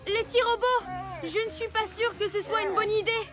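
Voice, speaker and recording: Very high-pitched little alien boy hero. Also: fairly even intonation, moderate pace. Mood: puzzled, concerned. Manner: emphatic, earnest, proclaims slogans. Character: brave little alien boy hero, eager patrol leader. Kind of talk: animated children's cartoon dub. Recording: music behind the voice.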